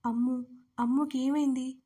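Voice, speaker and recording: Anxious young heroine, read by a female narrator, pleading, slightly high voice. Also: little pitch movement, normal speed, warm tone, breathy edge. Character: frightened, tearful young woman.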